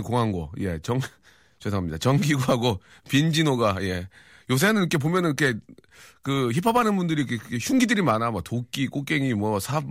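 A middle-aged man hosting a live radio show, reading listener texts with quick, teasing banter and lots of fillers. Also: medium pitch, no echo, clean studio sound. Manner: fast, joking, teasing banter with frequent fillers. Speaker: radio host. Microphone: studio microphone.

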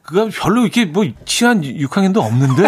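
Man hosting a radio show, slightly high voice that swings around a lot, laughs a lot. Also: fairly quick, a little hiss or hum. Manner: animated, laughs often, reads listener notices. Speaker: radio host.

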